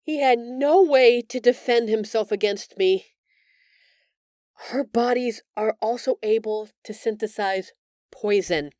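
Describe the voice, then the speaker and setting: A gentle alien woman played by a female voice actor speaks slowly and earnestly in an intimate roleplay monologue. She sounds remorseful and empathetic, hesitating with feeling, in a very dry, close recording. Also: a little high, no room sound. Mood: bitter, intense. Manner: earnest, hesitant, emotional, with sighs and pauses.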